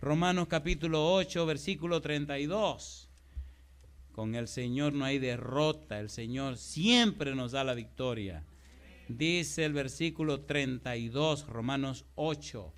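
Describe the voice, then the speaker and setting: A man preaching a live sermon to a congregation, telling stories and building to loud, emphatic cries. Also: mid-range voice, a little slow. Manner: retells conversations, acting out each speaker. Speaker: pastor. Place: church before a congregation.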